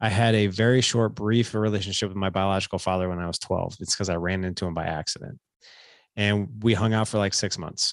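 With an American accent and a fairly low pitch, a man speaks in an ordinary speaking voice over a quiet background. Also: fairly even intonation. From United States. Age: 40s. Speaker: podcast host and fatherhood coach. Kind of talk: casual interview chat.

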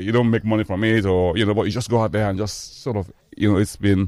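Rushing at a very fast pace, a man talks with a dark, mellow tone, fairly low pitch and fairly even intonation. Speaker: football podcaster. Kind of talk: casual banter about football.

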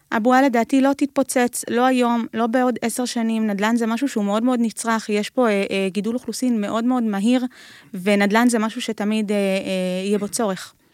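At a fairly quick pace, a woman with an unremarkable speaking voice and a fairly high pitch talks with fairly even intonation in a dry, close sound with no echo on a very clean recording with a silent background. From Israel, Yavne. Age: 30s. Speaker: real estate investor and lecturer. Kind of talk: interview.

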